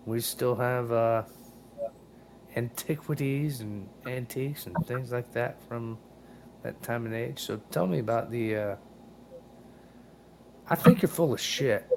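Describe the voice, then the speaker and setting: A man's voice: medium pitch, unhurried, pauses often, a little hiss or hum. Blunt, provoking man in his forties. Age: 40s. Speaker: caller.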